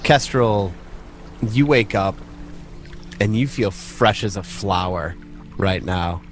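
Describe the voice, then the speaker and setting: A man's voice: lowish voice, takes it slowly, faint music behind. A man working as game master, narrating a tabletop game and addressing his players.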